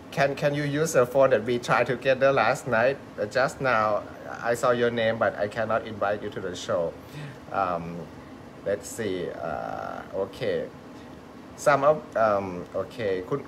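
A man from Thailand with a Thai accent, hosting and teaching on a live stream. He talks in a halting way, searches for words and chuckles often. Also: mid-range voice, fairly bright tone, slight background noise. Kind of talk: live-stream talk, switching between English and Thai.

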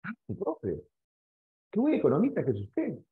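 A man's voice: high-pitched, huge pitch swings, moderate pace, reverberant, phone-quality sound, pitched above the performer's own voice. A man voicing an eager young Peruvian woman. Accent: Peruvian Spanish. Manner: polite, eager, asking favors.

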